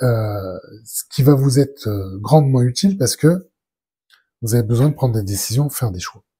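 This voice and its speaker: Dry and close with no echo, the recording carries a man's somewhat breathy, dark, mellow tone at medium pitch. He talks at a fairly slow pace with ordinary pitch variation. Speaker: spiritual guidance reader. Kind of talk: oracle card reading. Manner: hesitant, many fillers.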